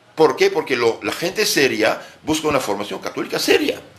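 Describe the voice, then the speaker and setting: A man's very wide pitch swings come at a moderate pace through noticeable background noise. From Syria. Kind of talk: interview. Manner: halting.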